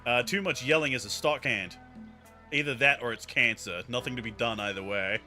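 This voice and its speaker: A man's voice: mid-range voice, a little fast, pushed and bright, faint music behind. A man reading out the lines of a gray-haired older outback farmer in a game, in a plain voice. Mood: relaxed.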